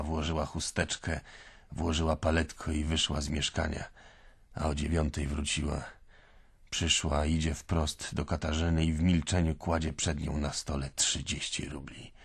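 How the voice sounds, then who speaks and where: A man performs a drunken, aging clerk, pouring out his shame in a low, dragging, wavering voice. He pleads and preaches by turns, pitiful and tearful. The audiobook recording is dry and close. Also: slightly rough, dry recording, exaggerated voice. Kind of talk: audiobook reading.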